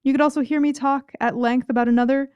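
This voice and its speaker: Wry, higher-voiced woman podcast co-host. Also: fairly even intonation, fast, darkish tone, smooth, no room sound, dull audio. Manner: playful, wry. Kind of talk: casual chat, plugs.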